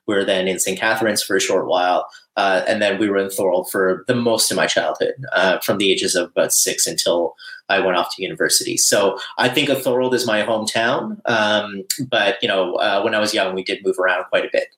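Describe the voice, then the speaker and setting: A young man from Ontario talks through his answers as a podcast guest, pausing often on fillers and restarting his sentences. His voice sits fairly low. The room around him is echoey. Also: a bit bright. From Canada (Ontario), born in Bangladesh. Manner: thoughtful, many fillers and restarts. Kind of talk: casual interview talk.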